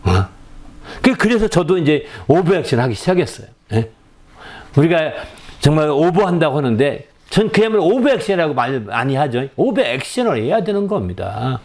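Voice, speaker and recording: Lively, animated preaching man. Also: on the high side, normal speed. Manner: lively preaching, frequent "예?" prompts to the congregation. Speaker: pastor. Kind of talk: sermon.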